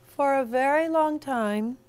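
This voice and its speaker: Speaking in a high, slightly mellow voice at an unhurried pace, a woman storyteller and author leads an interactive read-aloud before a class of young children. Her manner is encouraging and teacherly, with theatrical emphasis.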